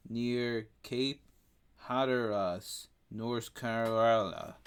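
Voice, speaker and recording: A man with a Spanish accent, a native Spanish speaker, co-hosting a casual podcast and reading out facts haltingly, stumbling over names with plenty of fillers. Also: mid-range voice, steady tone, clear, resonant tone. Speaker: podcast co-host.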